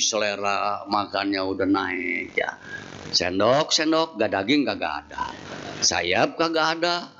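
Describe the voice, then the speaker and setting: A man's voice: on the high side, creaky. A man giving a humorous sermon as a Buddhist preacher, telling a story and acting out the dialogue in shifting voices. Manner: animated, acts out quoted dialogue in shifting voices. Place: temple hall. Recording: dull lo-fi sound with faint noise.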